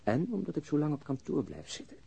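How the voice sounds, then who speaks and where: An actor playing a weary, wry police detective and husband in a naturalistic radio drama, speaking in a laconic, dry, understated way. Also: male voice, on the high side, huge pitch swings, fast, vocal fry, dark tone, breathy edge, full character voice. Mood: pensive.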